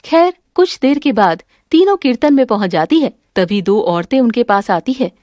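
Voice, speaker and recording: Woman, cartoon narrator, high voice, dry close sound, plain storytelling. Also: animated, normal speed, mellow, no echo.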